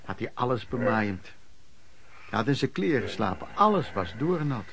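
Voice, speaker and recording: An actor playing an earnest, aghast storyteller narrating lodging-house memories in a radio play. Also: male voice, medium pitch, sing-song, normal speed, fairly bright tone. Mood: sombre. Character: male storyteller recalling lodging-house misery, shocked and earnest. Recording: crowd noise behind the voice.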